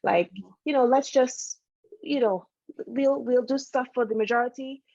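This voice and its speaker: Woman from Trinidad, gravelly voice. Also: high voice, unhurried, a little mellow, dry recording, lo-fi sound. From Trinidad and Tobago. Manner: chatty, many "you know" fillers. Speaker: guest, doctor and founder. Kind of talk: casual interview conversation.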